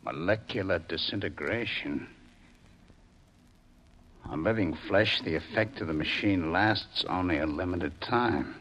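An actor playing a hard, overbearing, tense adventurer with curt commands and dramatic pauses, in 1950s radio melodrama style. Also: male voice, low-pitched, fairly bright tone. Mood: grave. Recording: dull lo-fi 1950s radio recording.

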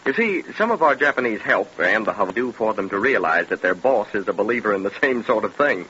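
A man's voice: on the low side, very animated, brisk, bright, forceful tone, lo-fi sound. An actor playing a genial plantation host in a 1930s radio drama, chatty and polished as he tells his story. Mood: reminiscing. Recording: scratchy band-limited 1930s radio recording.

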